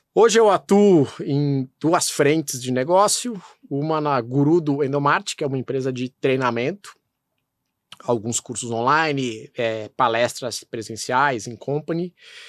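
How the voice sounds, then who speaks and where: Speaking at a fairly slow pace in a southern Brazilian accent, a man with a fairly high pitch and lively intonation is heard in a very clean recording with a silent background and a dry, close sound with no echo. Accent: gaúcho. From Brazil, São Paulo. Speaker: marketing professor and speaker. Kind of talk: interview.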